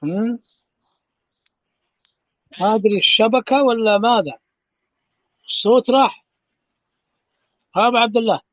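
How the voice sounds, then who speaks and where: A man teaching an online class as the sheikh, speaking calmly and patiently. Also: very high-pitched, normal speed, long pauses, no room sound, lo-fi sound. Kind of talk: online lesson, checking the audio.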